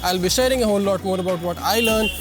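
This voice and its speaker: A man's voice: high voice, fast talker. A man with a Bengali Indian accent hosting a motivational vlog, speaking emphatically and repeating his phrases as he addresses viewers. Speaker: YouTube channel host.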